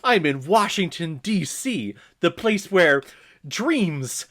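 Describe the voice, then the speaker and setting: A man's voice: high voice, very animated, slow pace, pushed and bright, pitched above the performer's own voice, heavily acted. A man putting on the voice of a wide-eyed, eager young boy who gushes with old-fashioned exclamations. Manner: gee-whiz wholesome exclamations.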